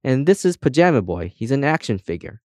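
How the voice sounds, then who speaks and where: A man's voice: medium pitch, very animated, brisk, no echo, clean studio sound, pitched above the performer's own voice, close to an everyday voice. A man voicing a polite, timid male toy pig in a children's audiobook, earnest and eager to please. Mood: polite, anxious.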